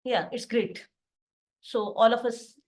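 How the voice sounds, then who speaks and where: A middle-aged woman from Pakistan, an assistant professor, gives an online lecture over a video call, explaining plainly with frequent pauses. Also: on the high side, steady tone. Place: home study with bookshelves behind.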